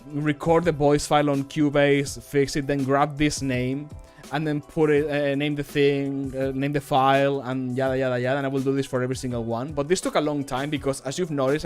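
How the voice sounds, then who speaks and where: A man in his thirties chatting casually on a livestream in a rambling, self-deprecating way. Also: medium pitch. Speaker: streamer and game modder. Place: small home room, indoors.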